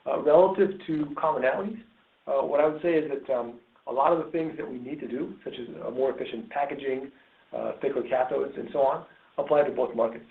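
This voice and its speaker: A man speaking as a company executive, answering questions on an earnings call with frequent ums and pauses. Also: mid-range voice, creaky. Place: conference call. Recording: narrow phone-like line, roomy echo.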